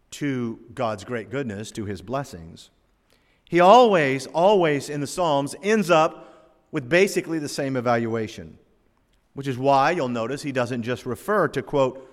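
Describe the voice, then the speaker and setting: Male pastor preaching a sermon, slow and drawn out, echoey church hall. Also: medium pitch. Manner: animated preaching, drops to a hushed prayer. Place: church sanctuary. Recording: long reverb of a church hall.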